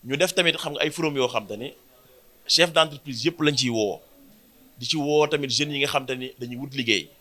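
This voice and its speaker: Senegalese man, thirties, press conference, measured explanatory delivery, tense bright tone. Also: mid-range voice. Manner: switches between French and Wolof, measured and explanatory. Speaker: event organizer. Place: indoor press room before a banner. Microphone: cluster of handheld press mics.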